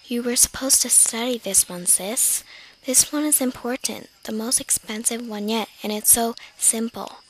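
A woman's voice: fairly high pitch, moderate pace, close to an everyday voice. A woman playing young assassin sisters in an amateur audition reading, on a noisy home recording. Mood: conversational, scolding.

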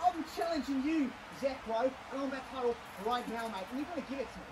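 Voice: sits high, fast talker, a little hiss or hum, close to an everyday voice, low-quality recording. Someone putting on a brash Aussie chef brawler. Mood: boastful. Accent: put-on Australian. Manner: brash trash-talking taunts. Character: boastful male Australian chef wrestler.

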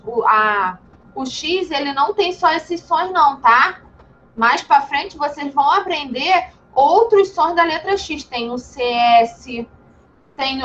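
A Brazilian woman teaching young children over a video call, patient and gentle, calling pupils sweet names. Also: sits high, dull audio, slight background noise. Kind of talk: online class for young children.

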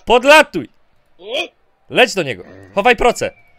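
Excitable young man commenting a game. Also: sits high, unhurried. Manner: excitable, yelling at the game in bursts. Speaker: gaming YouTuber. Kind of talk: let's play commentary.

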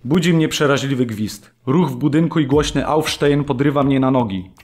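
Guy acting serious male prisoner narrating in a radio play, middle pitch. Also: fairly quick, a little mellow, close to an everyday voice. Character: male camp prisoner recounting a harsh awakening, serious. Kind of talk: scripted radio drama narration.

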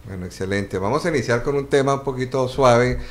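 A man's voice: medium pitch, a little fast, slight background noise. A man hosting a live interview program. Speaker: program host.

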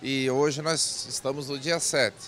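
A man's voice: medium pitch, fairly even intonation, crowd noise. A man, president of a cooperative bank, speaking measuredly with restarts in an interview at an indoor event stand on a handheld mic. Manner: measured, repeats and restarts phrases.

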